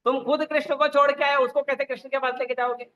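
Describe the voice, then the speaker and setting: A man's voice: very high-pitched, little pitch movement, quick pace, bright, forceful tone, dull audio. A man giving a lecture on scripture, asking the audience rhetorical questions and repeating lists of examples. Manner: repetitive listing. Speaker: preacher. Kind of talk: Gita lecture.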